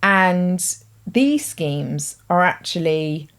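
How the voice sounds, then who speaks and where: A woman's voice: fairly low pitch, animated, drawn-out words, a bit bright. A British woman hosting her own show, explaining ideas in a thoughtful, conversational way with hedging asides. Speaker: host. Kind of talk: explanatory talk to camera.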